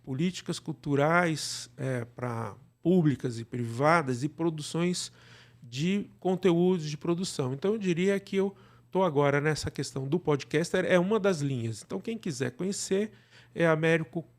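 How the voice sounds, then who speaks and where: A middle-aged man with a Brazilian accent and a slightly high voice talks as a guest in a relaxed interview. He explains his work conversationally and often slips into imagined remarks to make a point. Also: normal speed. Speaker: guest, director and cultural producer.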